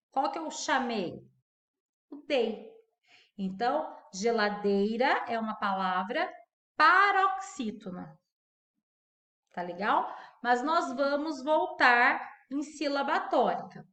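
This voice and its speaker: A woman's voice: high-pitched, a bit bright, roomy sound. A woman teacher giving a recorded grammar lesson, quizzing the class and drawing out key words. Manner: asks the class questions and answers them, stretching key words. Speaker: primary school teacher.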